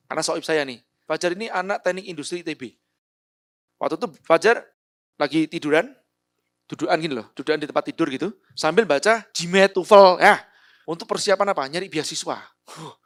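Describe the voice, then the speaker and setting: A middle-aged man, a speaker with Javanese as his first language, telling a personal story in a lively, animated way. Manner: animated storyteller, voices quotes with big pitch jumps. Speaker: motivational speaker. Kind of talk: storytelling talk.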